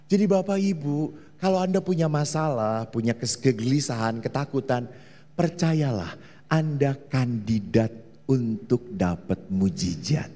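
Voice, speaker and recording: A man's voice: a little slow, big-room sound. A male Catholic priest with an Indonesian accent giving a sermon, questioning the congregation and acting out story voices. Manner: lively preaching, questions to the congregation; acts out story voices with big pitch leaps.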